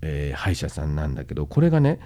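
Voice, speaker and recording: Guy explaining stuff on a podcast, pitch all over the place, loose and chatty, lots of filler. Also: big pitch swings, fast talker, warm tone. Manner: casual, with many fillers and sentence-final tags; speaks to the listeners directly, encouraging them. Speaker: host and medical management lecturer.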